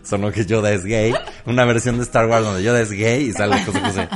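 Mexican male podcast co-host, lowish voice, jokey, laughs a lot. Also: fairly even intonation, a little fast. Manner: joking, laughs often, slips into impressions. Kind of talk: casual comedy chat.

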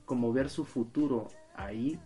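A man, co-hosting a podcast. His voice is dark and mellow, and his pitch sits in a middling range. He takes his time and works through ideas in a thoughtful, analytical way. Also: normal speed, faint music behind. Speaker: podcast co-host. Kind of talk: casual film discussion.

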